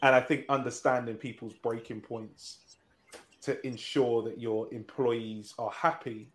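A man hosting a business podcast, talking in a measured way and thinking aloud with rhetorical questions. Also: mid-range voice, steady tone, a bit bright. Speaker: podcast host. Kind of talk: conversational business talk. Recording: echoey room.

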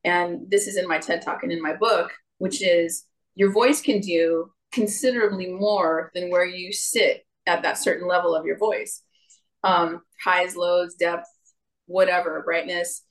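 A middle-aged woman, a singer and vocal coach, talking as an interview guest in an animated way and sometimes jumping into higher playful voices to show a point. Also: unhurried, rough recording. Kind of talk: conversational interview.

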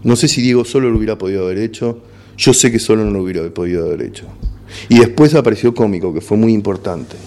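In a casual interview, this middle-aged Argentine comedian talks fast in a lowish, slightly mellow voice with an Argentine Spanish accent. He speaks frankly, frequently restarting words as he hunts for the right ones.

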